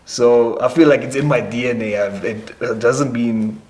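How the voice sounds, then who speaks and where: A man's voice: medium pitch, moderate pace, darkish tone. A man from Durban with a Durban Indian South African accent, chatting casually as a fitness expert being interviewed.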